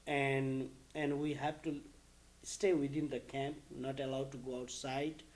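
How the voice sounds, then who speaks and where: A man from Bhutan, recounting his past in an interview in a measured way, listing details between "uh" and "um.". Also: mid-range voice, little pitch movement, darkish tone. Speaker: refugee interviewee. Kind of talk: recorded interview testimony.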